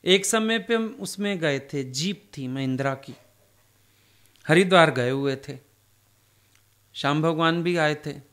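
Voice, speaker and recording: A man's voice: on the high side, slow, pauses often, fairly bright tone, smooth. A man giving a devotional satsang talk, telling personal stories in a conversational way. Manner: conversational storytelling, acting out quoted dialogue. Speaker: satsang speaker.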